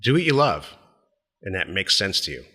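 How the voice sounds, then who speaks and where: A man's voice: low voice, big pitch swings, normal speed, sharp tone, breathy edge, long reverb tail. A middle-aged American man co-hosting a podcast, chatting casually about business in a blunt, plain-spoken way. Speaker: podcast co-host.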